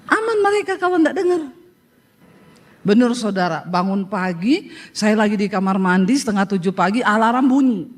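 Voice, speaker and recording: A woman's voice: medium pitch, moderate pace. A woman preacher, telling a humorous story in a sermon, acting out the dialogue and teasing her listeners. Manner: lively storytelling, acts out dialogue, teases the audience.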